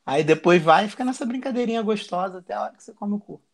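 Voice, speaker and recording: A man's voice: sits high, animated, very fast, creaky. A man, a podcast guest talking in a crude, slangy, boisterous way. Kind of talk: casual chat.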